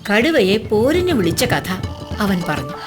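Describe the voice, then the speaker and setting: A woman's voice: mid-range voice, big pitch swings, unhurried, over music. A woman storyteller giving scripted narration of a story for young children.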